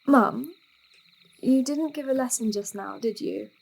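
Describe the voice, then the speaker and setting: An actress playing an inquisitive, slightly impatient teenage daughter with a plain-spoken, questioning manner in an audio drama. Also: female voice, sits high, a little slow, creaky, a little mellow, husky, exaggerated voice. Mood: probing.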